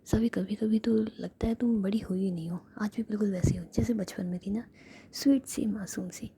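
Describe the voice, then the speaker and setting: A woman's voice: medium pitch, fairly even intonation, normal speed, gravelly, dark tone, slight background noise, lightly acted. A woman whispering the lines of a teasing, affectionate young woman in a spoken story. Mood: tender.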